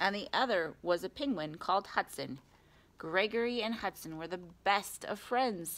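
The clip is of reading aloud in a natural voice.

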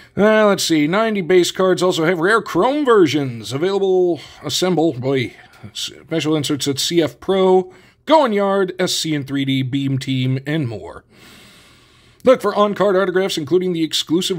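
A man's fairly slow speech with lively intonation, against a quiet background. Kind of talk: casual unboxing commentary. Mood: enthusiastic collector. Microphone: phone near.

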